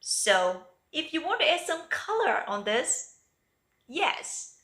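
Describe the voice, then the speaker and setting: A woman teaches a bilingual language lesson at an unhurried pace, saying each example phrase twice. Her voice sits a little high and moves a lot, rising and falling as she explains. The recording carries a noticeable room echo. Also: sing-song, fairly bright tone. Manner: slow, clear teaching with repeated example phrases.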